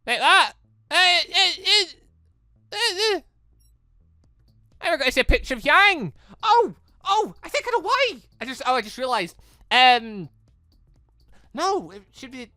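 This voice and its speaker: An excitable game streamer doing a let's play, exclaiming and stumbling while reading visual novel text aloud, with off-the-cuff commentary. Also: high-pitched, measured pace, long pauses, no room sound, clean studio sound. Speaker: gaming channel host. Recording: music playing under the voice. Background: background music.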